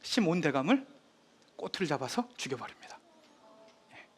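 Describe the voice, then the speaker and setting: A man lecturing on history, retelling drama scenes in a lively storytelling manner. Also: on the high side, normal speed, breathy edge.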